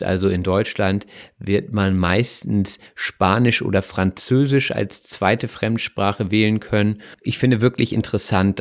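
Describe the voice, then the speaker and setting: A man from northern Germany hosting a language-learning podcast, commenting on listener messages in a friendly, reflective way with frequent fillers. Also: lowish voice. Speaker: podcast host.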